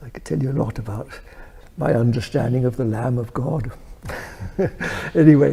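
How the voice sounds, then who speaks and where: Soft-spoken, a man talks at medium pitch and a moderate pace with ordinary pitch variation. Noticeable background noise sits behind him. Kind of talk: interview answer.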